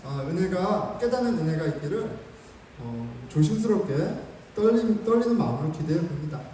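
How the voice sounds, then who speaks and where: A man preaching a sermon as pastor, telling a story in an animated, self-mocking way, recorded in a church sanctuary with the mic some distance away. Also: sits high, normal speed, slight background noise. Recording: echoey hall, mic far off.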